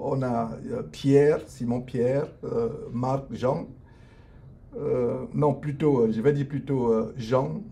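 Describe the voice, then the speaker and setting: A lawyer and online minister in middle age takes viewer questions on an unscripted live stream, speaking from his law office over lunch. He sounds earnest and preachy, with a mellow, dark, medium-pitched voice, and often stalls on long, drawn-out fillers before starting his sentences over.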